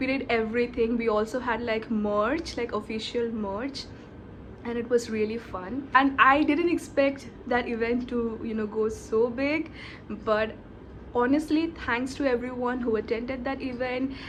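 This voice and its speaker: Spoken in a Bengali accent at a fairly slow pace, the fairly even intonation comes with audible room echo and noticeable background noise. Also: woman, high pitch for a woman. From India, West Bengal (Kolkata). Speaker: beauty and lifestyle vlogger. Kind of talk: casual vlog chat. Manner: casual, filler-heavy.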